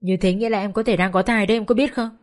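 Woman narrator reading a concerned male doctor, steady and firm, middle-pitched. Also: rapid-fire, lightly acted. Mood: explaining. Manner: calm, earnest persuading.

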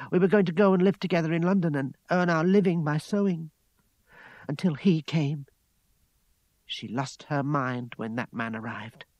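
Man putting on a fierce, grieving young woman, pitched high. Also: darkish tone, no echo, lo-fi sound, natural voice. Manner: emotional, accusing. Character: fierce, grieving young working-class woman, bitter and accusing.

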